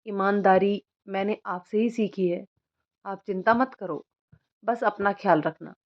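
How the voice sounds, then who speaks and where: A woman's voice: mid-range voice, steady tone, a little slow, highs cut off, close to an everyday voice. A woman voicing a short-tempered rich young man who scolds his servants but cares for his grandmother, in a storybook reading. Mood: earnest. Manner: sharp, commanding, scolding.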